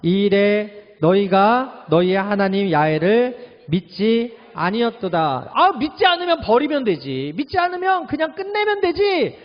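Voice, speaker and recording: A male pastor preaching a sermon in a church, moving between soft confiding talk and loud urgent preaching. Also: high voice, very animated, unhurried, long reverb tail, dull audio. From Korea. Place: church sanctuary.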